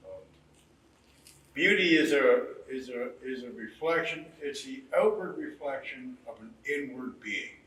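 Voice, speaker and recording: A man, a bead artist and mentor, speaking slowly and reflectively to a gathered group, with pauses and repeats. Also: medium pitch, lively intonation, a bit bright. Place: indoor exhibit hall. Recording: roomy, from far off the mic.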